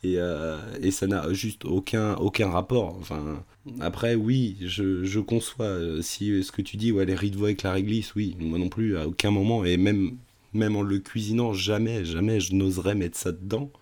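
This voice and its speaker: Low-voiced rambling young man. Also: moderate pace, darkish tone. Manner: rambling, fillers like "genre" and "tu vois". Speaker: podcast co-host. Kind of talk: casual film discussion.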